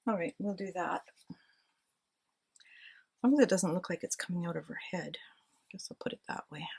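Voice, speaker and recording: A woman's voice: lowish voice, moderate pace, vocal fry, darkish tone, slightly rough. A woman chatting casually to herself and her viewers while she decorates a handmade journal at home. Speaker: crafting vlogger. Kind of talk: casual crafting chat.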